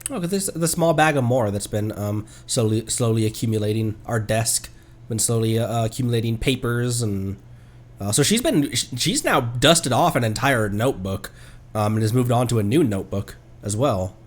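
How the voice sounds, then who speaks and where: Animated man streaming a video game. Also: medium pitch. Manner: halting, thinking aloud. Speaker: livestreamer. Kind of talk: casual game stream commentary.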